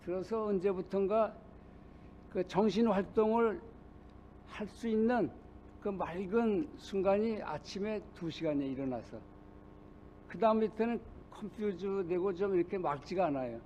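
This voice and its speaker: An older male pastor preaching a sermon, telling a personal story in a halting way with many pauses. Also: sits high, warm tone, a little hiss or hum. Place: church sanctuary.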